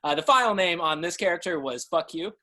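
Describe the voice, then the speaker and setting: A man's voice: a little high, lively intonation, a little fast, pushed and bright. A man hosting a casual interview chat over a home video call. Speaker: interview host.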